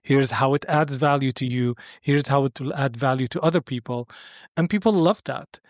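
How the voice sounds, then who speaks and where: A man's voice: medium pitch, normal speed, no echo, clean studio sound. A man from Syria speaking as a podcast guest, explaining his thinking in a conversational interview.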